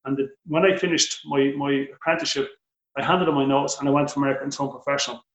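Irish boxing coach in an echoey room. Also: male voice, mid-range voice, fast talker, slight background noise. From Ireland. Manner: animated, repeats words when starting sentences. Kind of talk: interview answers.

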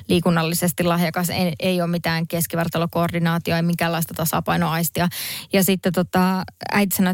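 A woman's voice: fairly low pitch, no echo. Woman, panelist, self-mocking storyteller, dry close sound. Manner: animated, self-mocking anecdote. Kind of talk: casual storytelling.

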